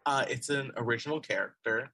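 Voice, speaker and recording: A man's voice: mid-range voice, fairly quick, bright, forceful tone, dry recording. A man in his twenties, a guest chatting casually and loosely with many fillers. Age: 20s. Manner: rambling, filler-heavy, laughs often. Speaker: guest artist. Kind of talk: casual conversation.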